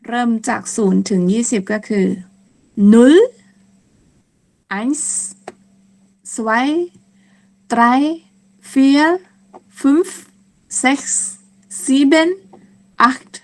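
A woman teaching at a very slow, unhurried pace. She says each word several times over with patience and spells it out letter by letter. Her pitch sits in a middle range. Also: fairly bright tone. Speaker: language teacher. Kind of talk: teaching German numbers in Thai.

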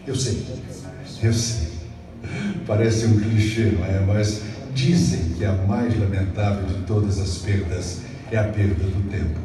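A middle-aged man giving a motivational opening speech, measured and emphatic with dramatic pauses. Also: lowish voice. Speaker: motivational speaker. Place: video on a screen in a dark event hall. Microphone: phone filming the screen from the audience. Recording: echoey hall from far off with music.

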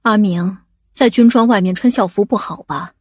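An authoritative, practical aunt from an audiobook drama acted by a woman gives brisk instructions. The voice has a slightly husky edge. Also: medium pitch, natural voice. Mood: instructing.

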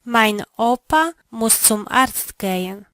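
A woman answering drill prompts in a language lesson, speaking slowly and clearly. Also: on the high side, lively intonation, bright, forceful tone, no echo, studio quality.

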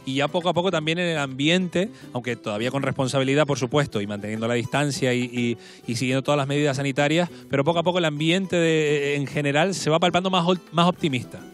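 A man's voice: on the high side, fast talker, faint music behind. A man in his thirties with a Canarian Spanish accent, presenting a television show into a handheld microphone. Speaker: television host. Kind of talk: presenting a live folk music show. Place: large studio-like set with seated guests.

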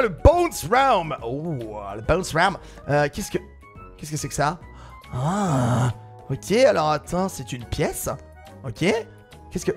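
A man giving excitable gaming commentary, exclaiming, laughing and shouting as he plays. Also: sits high. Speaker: gaming YouTuber.

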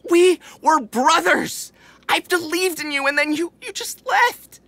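Betrayed brother, high and emotional, slow and wavering, voiced by a man. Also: lively intonation, pushed and bright, dry recording, heavily acted. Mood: hurt. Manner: hurt, emotional. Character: betrayed young man confronting his brother.

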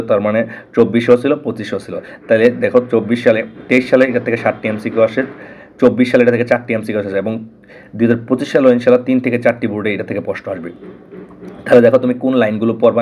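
Bangladeshi Bengali male teacher, rapid exam-prep delivery, repeats key answers, talks straight to students, close mic. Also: fairly low pitch, a little mellow, a little hiss or hum. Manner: repeats answers and stresses importance, addresses students directly. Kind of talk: online exam-prep lesson.

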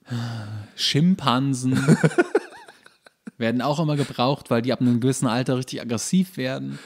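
A man with a creaky, gravelly voice at a middling pitch. He co-hosts a podcast in loose comedic chat, throwing in dry, offhand remarks. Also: steady tone, normal speed. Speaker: podcast co-host. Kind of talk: casual comedic banter.

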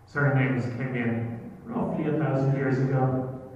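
A middle-aged Irish man giving a history lecture to a gathering, with a relaxed manner that tends to digress into stories. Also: medium pitch, unhurried, lo-fi sound. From Ireland. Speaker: genealogy lecturer. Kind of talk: public lecture with slides. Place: hotel function room. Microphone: laptop screen recording, far from speaker. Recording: echoey distant hall audio.

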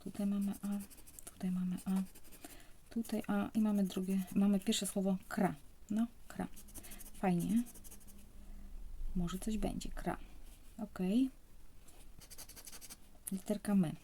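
A young woman from Poland speaking softly, often almost whispering, as she scratches lottery tickets and comments casually. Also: medium pitch, steady tone, slow, pauses often, a little hiss or hum.

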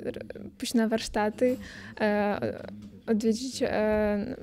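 Young woman, halting and flat. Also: mid-range voice. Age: young adult. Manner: halting, searching for words. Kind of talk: interview answer. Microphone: handheld interview mic.

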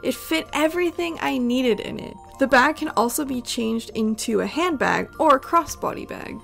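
A woman vlogger narrates over her footage in a chatty, playful way. Her voice sits a little high and has a gravelly fry to it. Soft music plays underneath. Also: expressive, normal speed. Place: home voice-over recording.

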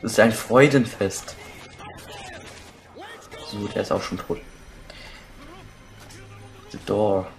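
A young man giving crude, excitable commentary while playing a shooter, swearing and shouting at enemies. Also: lowish voice, takes it slowly, long pauses, faint music behind. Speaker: let's play gamer. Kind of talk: casual gameplay commentary.

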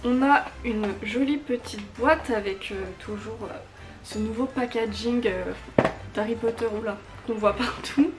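A woman's voice: on the high side, a little slow, loud music behind the voice. A young woman chatting casually through a gift review vlog, enthusiastic and full of little hesitations, filmed at home. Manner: chatty, frequent hesitations, enthusiastic about small items. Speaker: YouTuber reviewing gifts. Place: home room full of fairy lights.

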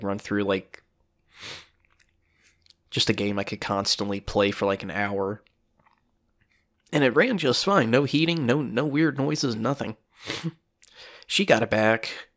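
Sniffling with a cold, a man rambles and chats casually as a gameplay commentator in a let's play, swearing offhandedly. His voice is lowish with a fairly bright tone.

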